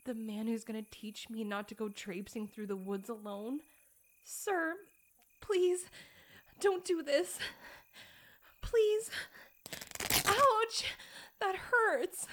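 A young woman playing a proper young lady who is trapped and pleading, speaking in formal, old-fashioned phrases with breathy whispered pleas. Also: mid-range voice, flat delivery, normal speed, few pauses, darkish tone, lightly acted. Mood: frightened pleading. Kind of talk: solo audio roleplay.

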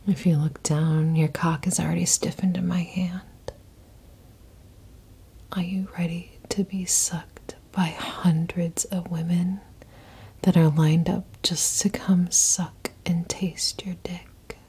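A woman whispering in a slow, hushed, intimate way, performing a guided ASMR hypnosis roleplay. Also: lowish voice, level tone. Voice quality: breathy whisper. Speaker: audio performer.

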